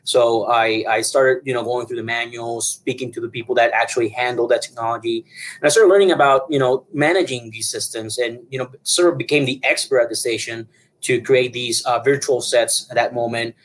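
A man from Puerto Rico in his thirties, a guest on an interview show. He talks about his work in a loose, rambling way, full of fillers and restarts, at a middle pitch. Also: fairly even intonation, a little fast, poor audio. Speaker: guest broadcast engineer. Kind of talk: conversational interview.

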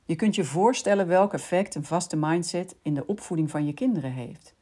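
A woman hosting a podcast, calmly explaining in scripted narration and speaking directly to the listener. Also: on the low side, normal speed, slightly rough. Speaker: podcast host.

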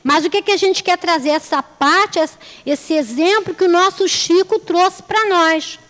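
A woman's voice: very high voice, measured pace, a bit bright, big-room sound. A woman giving a religious talk, telling stories in a chatty way, repeating phrases and asking rhetorical questions. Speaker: lay speaker at a spiritist center.

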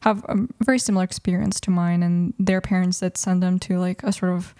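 Young woman with warm, mellow voice. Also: fairly low pitch, steady tone, fairly quick, no echo, studio quality. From Mexico. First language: Russian. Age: 20s. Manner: thoughtful, hesitant, many restarts and fillers. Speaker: guest. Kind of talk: casual interview conversation.

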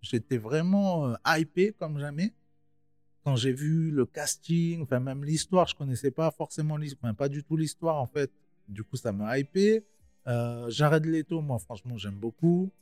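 A man's voice: a little high, lively intonation, normal speed, darkish tone, no room sound, soft background music. A young man giving a casual film review, slangy and chatty, talking straight to his viewers.

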